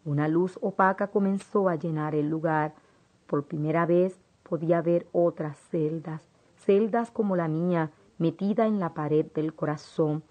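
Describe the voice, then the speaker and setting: A woman's voice: low voice, unhurried. A woman narrating a first-person audiobook in a solemn, intense manner, in a dull, lo-fi recording.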